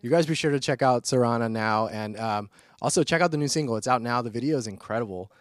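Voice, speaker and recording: A man's voice: mid-range voice, dry recording. A man hosting a music interview, upbeat and full of praise for his guest. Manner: upbeat, praising, quick questions. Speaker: interview host. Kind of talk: casual interview.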